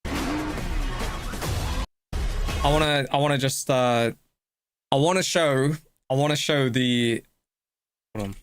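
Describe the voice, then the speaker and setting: A man's voice: medium pitch, slow, pauses often, soft background music. Hyped rambling male streamer. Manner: excited, rambling with many restarts. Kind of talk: live stream reaction.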